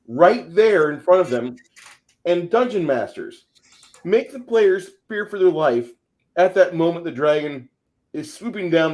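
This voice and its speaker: Guy podcast host, mid pitch, swears a lot, tells vivid game master stories, really emphatic. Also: darkish tone. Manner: emphatic, profane, vivid storytelling. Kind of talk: casual opinionated panel talk.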